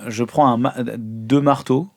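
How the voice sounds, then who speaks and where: A man plays in an improvised tabletop game. His pitch is average and the sound is very dry. He talks through his moves in a casual, conversational way. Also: steady tone, measured pace, no echo.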